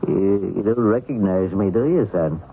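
An actor with an American accent playing a wily, folksy seventy-six-year-old heist mastermind in a radio drama, coaxing and confiding. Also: male voice, lowish voice, moderate pace, slight background noise, close to an everyday voice. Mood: wistful, sly. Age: older. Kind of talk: 1970s radio drama acting. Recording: muffled phone-like old radio broadcast.

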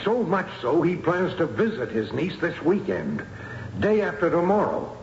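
A cold, scheming doctor in a seventies radio thriller. His voice is fairly high and creaky, swinging in pitch with calculated menace. The recording is muffled, echoey and noisy. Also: big pitch swings. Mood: grim, urgent. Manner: calculating, coolly sinister, measured. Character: cold scheming villainous male clinic doctor. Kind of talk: 1970s radio drama acting.

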